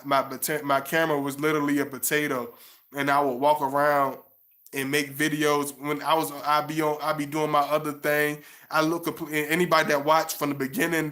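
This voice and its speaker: Man with a flat, even voice. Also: on the high side. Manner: rambling, restarts often, "you know what I'm saying". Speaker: channel host. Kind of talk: casual monologue to viewers.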